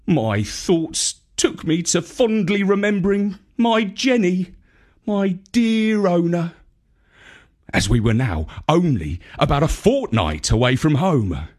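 Slow, husky, very expressive male storyteller. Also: sits high. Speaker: audiobook reader. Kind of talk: scripted first-person children's story narration.

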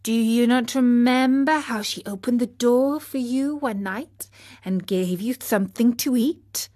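A woman voicing a calm female snail who speaks slowly and softly. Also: fairly high pitch, lightly acted. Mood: gentle. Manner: slow, calm, hushed.

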